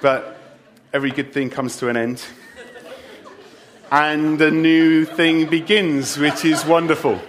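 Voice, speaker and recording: A man's voice: on the high side, fairly even intonation, slow, long pauses. A middle-aged man preaching a farewell sermon as a church leader, with joking asides to the congregation. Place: church service.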